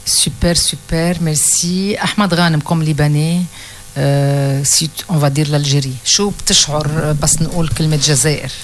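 A woman hosting a radio interview, encouraging her guests with quick interjections. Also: low voice, steady tone, slight background noise. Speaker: radio host.

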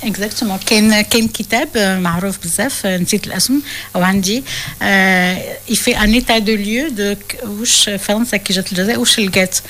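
A woman's voice: medium pitch, very fast, a bit bright. A woman with an Algerian accent and Arabic as her first language, explaining things in a radio conversation and mixing languages. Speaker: radio discussion participant.

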